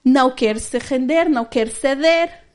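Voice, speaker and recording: A woman's voice: sits high, a little slow, a little mellow. A woman in her thirties giving a candid personal testimony as a church speaker, often laughing as she tells it.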